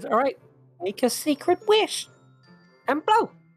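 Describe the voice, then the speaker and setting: A woman uses a put-on character voice, high-pitched with very wide pitch swings, at a fairly slow pace. Faint music plays in the background. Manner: playful game character.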